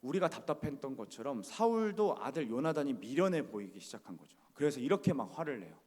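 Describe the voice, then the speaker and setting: A man's voice: medium pitch, big pitch swings, fast, darkish tone. A male pastor preaching a sermon in a church, speaking conversationally and often putting questions to the congregation. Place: church sanctuary. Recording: church hall reverb.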